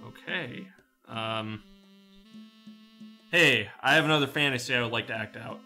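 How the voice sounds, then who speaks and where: A man's voice: medium pitch, takes it slowly, sharp tone, faint music behind, full character voice. A man playing a wily detective questioning a witness in a sci-fi radio drama. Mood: exasperated, wily. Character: wily male detective humouring and questioning a robot.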